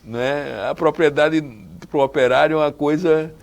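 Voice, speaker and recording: Talk show host, man in his sixties, gravelly, chatty, studio interview. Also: fairly high pitch, fairly even intonation, moderate pace. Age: 60s. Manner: chatty, restarts often, asks follow-up questions. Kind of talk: casual interview chat.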